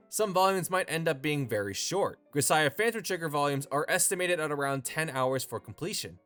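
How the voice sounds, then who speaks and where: A man hosts a scripted review in a voice pitched a little high. His intonation swings widely as he narrates. Faint music plays behind him. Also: a bit bright. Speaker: host of a visual novel review channel. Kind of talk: scripted video essay narration.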